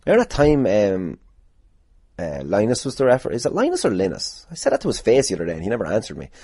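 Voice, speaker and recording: Irish guy doing a solo podcast, deep husky voice, rambly n sweary, jokey. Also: wildly swooping pitch, fast, dark tone, dry recording, clean studio sound. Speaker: podcast host, pro wrestler. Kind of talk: casual solo podcast, answering listener questions.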